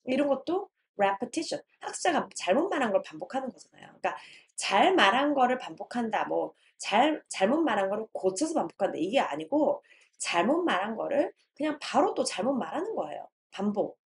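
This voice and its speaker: A woman lecturing on English teaching methods, explaining in Korean and reading English definitions slowly, sometimes acting out a teacher and a student. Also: on the high side, very animated, a little hiss or hum. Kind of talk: recorded lecture.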